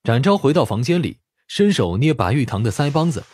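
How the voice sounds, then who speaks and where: A man's voice: medium pitch, big pitch swings, a little fast, darkish tone, husky, no room sound. A man narrating an audiobook as dramatic scripted storytelling.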